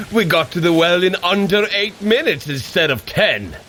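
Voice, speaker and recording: An actor playing a hearty, brave warrior god in an audio drama, speaking in a bold, grand manner. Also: male voice, high voice, wildly swooping pitch, slow, sharp tone, slight background noise, exaggerated voice, poor audio. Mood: amused, eager. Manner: bold, declamatory, addressing the listener grandly. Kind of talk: scripted audio drama acting.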